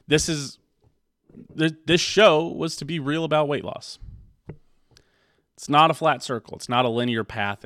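A man's voice: mid-range voice, pushed and bright, dry recording. A man co-hosting a podcast, talking candidly and encouragingly, rambling with frequent restarts. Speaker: podcast co-host.

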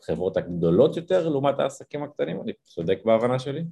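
A man with an Israeli accent hosting a casual podcast interview in a husky voice. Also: mid-range voice, sing-song, warm tone. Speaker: podcast host.

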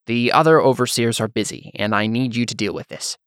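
A curt, bookish male overseer read by a man narrator gives formal instructions. The voice is medium in pitch and very dry, in fantasy audiobook style. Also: brisk, clear, resonant tone, no echo, natural voice. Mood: brisk.

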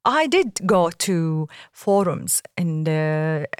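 Animated Saudi-born woman podcast co-host. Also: drawn-out words, clear, resonant tone, dry recording, studio quality. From Saudi Arabia. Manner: animated storyteller, laughs often, lively pitch jumps. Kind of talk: casual podcast conversation.

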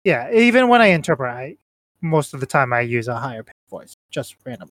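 A man talking casually with friends in a mid-pitched voice, rambling through a story with plenty of restarts and asides. His voice sounds close and dry, with no room around it. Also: sing-song, fairly quick, fairly bright tone, no room sound. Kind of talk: casual chat.

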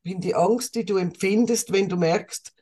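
A woman's voice: medium pitch, normal speed, mellow, lightly acted. A woman voicing a terse, dominant male shadow spirit that speaks in short, clipped commands. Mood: ominous.

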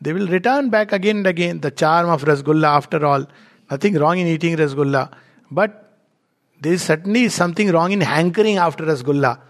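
A man's voice: a little high, a little fast. A man with a North Indian accent gives a spiritual discourse as a teacher, in an emphatic storytelling manner with acted-out dialogue. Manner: emphatic, storytelling, chuckles at own remarks.

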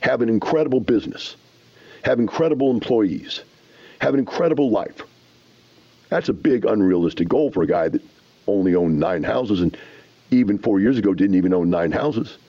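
A man's voice: lowish voice, normal speed, muffled recording. A man hosting a talk show, lecturing emphatically with rhetorical questions. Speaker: radio show host. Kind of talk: animated commentary.

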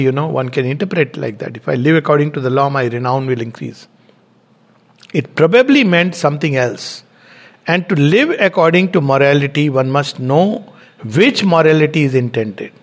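Man, middle-aged, spiritual lecture, measured explanatory delivery, slightly high voice. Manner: measured, explanatory, slows down to read quotes. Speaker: spiritual teacher giving a talk. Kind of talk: reflective lecture with read-out quotes and commentary.

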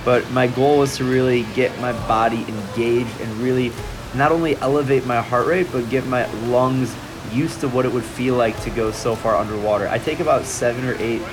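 A man's voice: medium pitch, steady tone, normal speed, music in the background, rough recording. A man speaking as a swim coach, giving voice-over commentary that reviews his own swimming.

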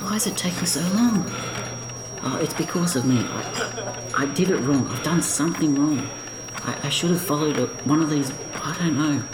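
A man's voice: on the high side, over a noisy crowd, lightly acted. A man playing an anxious autistic man, stammering and repeating himself in a fretful inner monologue in an audio drama. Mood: anxious, distressed. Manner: stammering, halting, repetitive, fretful. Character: anxious autistic man spiralling over a coffee order. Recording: noisy, echoing room sound.

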